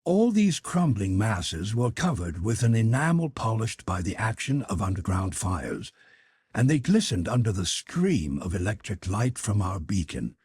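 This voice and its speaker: A man narrating a literary audiobook in a measured, expressive storytelling manner. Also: lowish voice, husky, no echo, clean studio sound.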